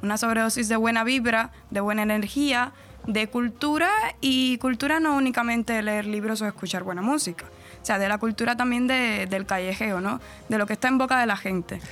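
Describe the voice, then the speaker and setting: A woman's voice: fairly high pitch, brisk, a bit bright. A woman from Cuba with a central-eastern Cuban accent, a radio presenter chatting at length as a guest in a casual radio interview. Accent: Cuban, central-eastern, from Camagüey. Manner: chatty, explains at length, laughs easily.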